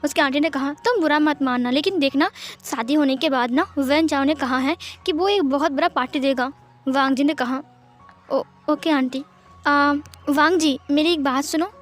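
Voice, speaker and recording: A woman's voice: high voice, normal speed, faint music behind. A woman reading a fan fiction story aloud and speaking all the characters' lines in her own voice.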